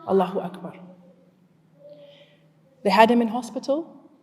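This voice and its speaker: A woman in her forties gives a talk in a large hall, and her voice trails off into a long echo. She speaks at a middle pitch, draws the crowd in with hand-raising questions, and then shifts into telling her own story. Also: a little slow, darkish tone, a little hiss or hum. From Zimbabwe. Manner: engages the crowd with show-of-hands questions, then tells a personal story. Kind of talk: storytelling talk to a live audience.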